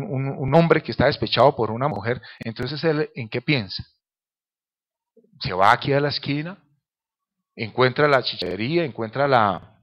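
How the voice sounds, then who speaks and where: Emphatic pastor preaching. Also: male voice, fairly high pitch, a bit bright. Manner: emphatic, with rhetorical question tags. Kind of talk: sermon.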